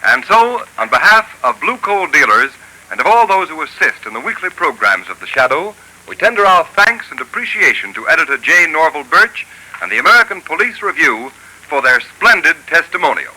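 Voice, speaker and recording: A man's voice: a little high, big pitch swings, brisk, bright, forceful tone, poor audio. A man announcing a 1930s radio program, with a formal, declamatory delivery. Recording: old radio broadcast.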